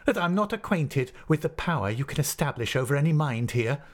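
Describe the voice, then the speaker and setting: A man's voice: on the high side, lively intonation, brisk, voice pushed up, lightly acted. A man voicing an anguished, indignant schoolmaster in a storybook, tremulous and formal, stumbling with agitation. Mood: indignant, wounded. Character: anguished adult male schoolmaster, indignant, trembling, wounded dignity.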